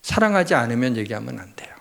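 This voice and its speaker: A man pastor preaching a sermon in a conversational, animated way, acting out the voices he quotes. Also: medium pitch, quick pace, creaky.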